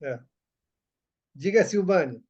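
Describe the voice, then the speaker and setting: A man's voice: sits high, animated, slow pace, darkish tone, muffled recording. A man coordinating a group study discussion, repeating his points for emphasis.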